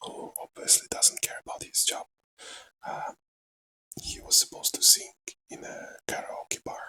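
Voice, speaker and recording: A man whispers in a Russian accent, with a dry, close sound and no echo. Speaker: actor. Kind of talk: ASMR rambling talk. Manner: whispered.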